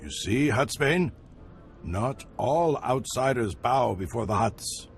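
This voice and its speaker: An actor playing a solemn tribal elder who speaks in a measured, persuasive way. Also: male voice, medium pitch, animated, faint music behind.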